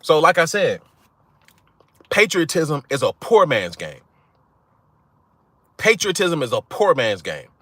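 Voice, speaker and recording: Blunt, profane young man, bright tone. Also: on the high side, big pitch swings, takes it slowly, long pauses, dry recording. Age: young adult. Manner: blunt, profane, repeats "right?" for emphasis. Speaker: channel host. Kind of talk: casual monologue to viewers.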